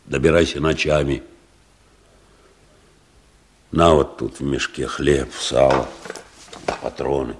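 A man playing a stern, embittered old peasant father in a radio drama, gruff and curt, with speech. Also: rumbling low, fairly even intonation, unhurried, slight background noise. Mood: grave, instructing. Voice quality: gravelly, husky.

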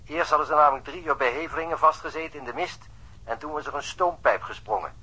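A man's voice: a little high, fast, pushed and bright, slightly rough. An actor playing a diligent, eager policeman reporting over a telephone line in a radio drama. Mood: eager, matter-of-fact. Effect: telephone filter.

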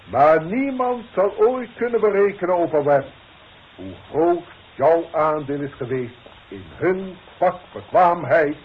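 A man's voice: on the high side, animated, measured pace, a little hiss or hum. A male actor playing a formal, paternal boss, giving solemn, oratorical speech in a 1960s radio drama. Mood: solemn, proud. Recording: dull 1960s radio recording.

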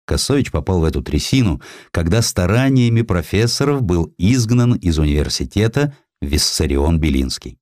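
A man narrating a historical story in an expressive, theatrical, ironic storytelling style. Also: deep voice, normal speed, hardly any pauses, no room sound, clean studio sound. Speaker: audiobook narrator.

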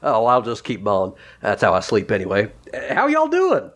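An actor playing a cheeky, oblivious homeless drifter who rambles in a folksy way, in a comedy radio sketch. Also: male voice, mid-range voice, huge pitch swings, normal speed. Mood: oblivious, friendly.

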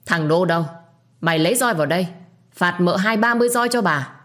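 A woman's voice: fairly low pitch, a little fast, a bit bright, close to an everyday voice. A woman voicing a stern, commanding elderly matriarch who barks orders at her servants. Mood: angry commanding.

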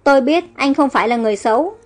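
An earnest, protective young elder brother in a storybook, voiced by a high-pitched woman narrator, reassuring and steady. Faint music runs underneath. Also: rapid-fire.

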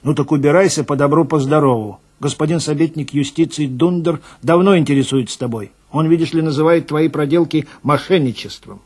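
A man's voice: fairly high pitch, a little fast, hardly any pauses, darkish tone, husky. A man playing a worldly police detective in a radio story, talking in a curt, mocking, commanding way. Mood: mocking, stern.

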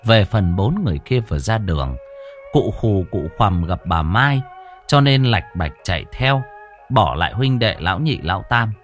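A man narrating a comic ghost story in a colloquial, lively manner. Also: fairly low pitch, normal speed, soft background music.

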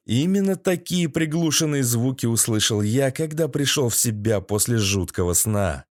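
Male audiobook narrator, sardonic gritty read, mid-pitched, dead-dry studio sound. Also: animated, moderate pace, no room sound. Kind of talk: first-person audiobook narration.

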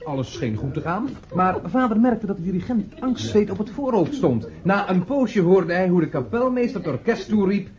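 An actor playing a polite, modest young student who speaks hesitantly, in a radio play. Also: male voice, high voice, very animated, normal speed, few pauses, crowd noise. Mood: hesitant storytelling. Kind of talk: Dutch radio play acting. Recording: dull, faintly noisy old radio recording.

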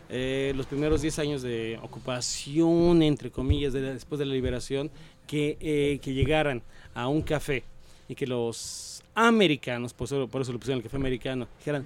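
A man with a Mexican accent, talking in a casual group conversation, emphatic and opinionated as he tells stories. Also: mid-range voice. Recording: faint background noise.

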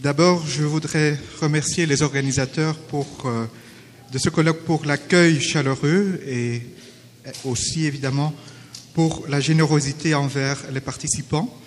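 A man who is not a native French speaker, formally reading a conference paper with hesitant pauses and self-corrections. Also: fairly high pitch, steady tone, in a large hall, a little hiss or hum. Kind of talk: academic conference paper read aloud. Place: conference hall.

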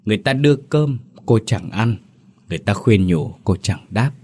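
Deep-voiced man narrating a mournful tale. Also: expressive, normal speed, darkish tone, husky. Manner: solemn, mournful storytelling. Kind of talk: scripted narration of a tragic ghost story.

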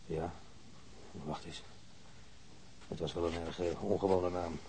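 A man playing a grumbling wounded policeman in a radio drama, halting and repeating himself. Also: low voice, fairly even intonation, warm tone, a little hiss or hum. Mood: halting, searching. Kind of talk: naturalistic radio drama acting.

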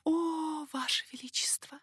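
Woman voicing a breathy coquettish baroness. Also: high voice, a little slow, dry recording, studio quality, pitched above the performer's own voice. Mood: breathy flirtatious. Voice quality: breathy, airy whispers. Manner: coquettish, lilting.

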